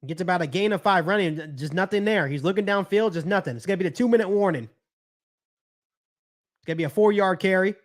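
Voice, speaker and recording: High-pitched American man calling football live. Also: brisk. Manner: repeats phrases, conversational, talks back to chat. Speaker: sports podcast host doing live play-by-play. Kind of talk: live stream football commentary and fan reaction.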